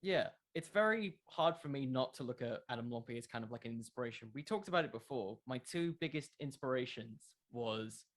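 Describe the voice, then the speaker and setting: A man's voice: mid-range voice, lively intonation, fairly quick, hardly any pauses. A man answering questions in a casual interview, thinking aloud and repeating words as he goes. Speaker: podcast creator, interview guest. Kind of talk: casual interview chat about wrestling fiction.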